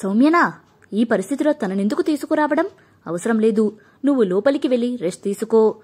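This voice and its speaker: A woman voicing a stern middle-aged mother who is proud and fierce about family honour, talking in a sharp, scolding way. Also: fairly high pitch, lively intonation, brisk, slightly rough. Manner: sharp and scolding, softening into grief.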